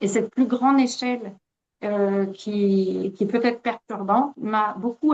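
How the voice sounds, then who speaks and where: A woman with a slight Quebec accent and a fairly high pitch speaks fairly slowly with fairly even intonation, in a dry, close sound with no echo. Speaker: architect and urban planner. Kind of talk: panel discussion. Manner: hesitant, many fillers.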